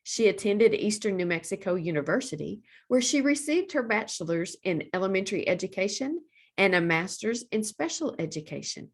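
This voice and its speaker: A librarian reads aloud to young children in a mid-range voice, her phrasing deliberate and expressive.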